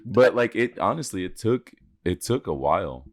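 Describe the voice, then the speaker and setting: A man's voice: on the low side, big pitch swings, moderate pace. A man in his twenties speaking as a podcast guest in casual chat, candid and talkative. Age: 20s.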